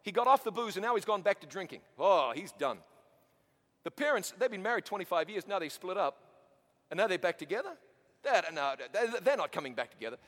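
A man preaching with a New Zealand accent touched by American sounds. His voice sits high, and he tells his story in a lively, joking way. A long reverb trails his words across a big hall. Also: fairly quick. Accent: New Zealand with an American tinge. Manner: animated, chatty, self-mocking asides. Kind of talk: storytelling sermon.

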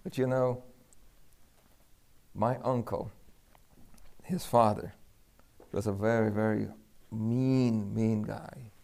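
A man from Puerto Rico preaching a sermon, telling a lively personal story and acting out the dialogue. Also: lowish voice, takes it slowly, gravelly, long pauses.

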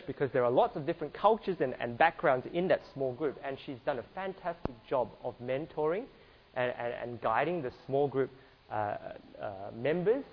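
A man from Singapore giving an earnest church talk about slides, restarting often and filling pauses with "uh". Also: mid-range voice, lo-fi sound. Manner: earnest, many restarts and fillers. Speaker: church speaker.

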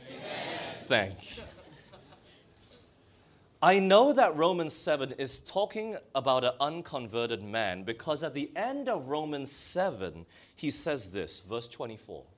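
Malaysian-accented preacher with a lively voice. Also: male voice, medium pitch, a little slow. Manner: asks the congregation questions, stresses key words. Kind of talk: sermon.

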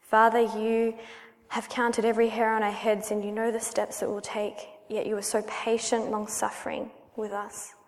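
An Australian woman in her thirties, praying and then giving her personal testimony as a guest speaker in a church, earnest and measured. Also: on the high side, monotone. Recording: long hall reverb.

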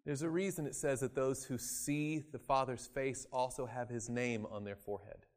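A man preaching a sermon, acting out quoted voices and swinging from loud emphasis to quiet asides. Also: medium pitch, steady tone, moderate pace. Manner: dramatic, acts out voices in quoted scripture.

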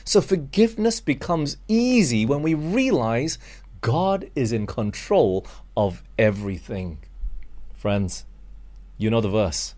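A man's voice: medium pitch, sing-song, slow, a little mellow. A Malaysian man preaching a sermon, earnest and direct, calling his listeners friends and asking them rhetorical questions.

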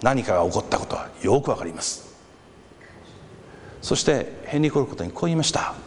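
A male pastor delivers a sermon as a story, his voice rising and falling with lively, expressive swings. He acts out the shouts of a crowd along the way. The sound carries a long hall reverb, with a faint hum of noise underneath. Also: medium pitch, a little fast.

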